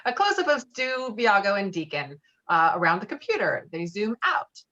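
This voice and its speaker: A woman's voice: medium pitch, sing-song, moderate pace, bright, forceful tone. A woman reading screenplay stage directions in an online table read, over lo-fi call audio. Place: remote video-call reading. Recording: dull, lo-fi video-call audio.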